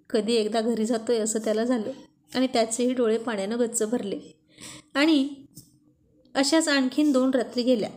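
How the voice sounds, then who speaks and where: A woman narrates a romance story with a slightly high voice. Her reading is intimate and unhurried, in a plain storytelling style. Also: dark tone.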